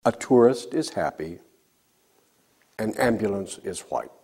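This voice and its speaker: Slow, lively-pitched English teacher man. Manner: slow, clear drilling of example sentences. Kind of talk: recorded language lesson.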